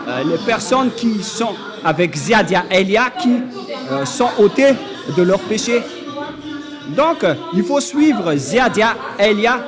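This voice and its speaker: A man preaching an emphatic sermon, often shouting, at a live church service. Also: very high voice. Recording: live church recording with music and crowd.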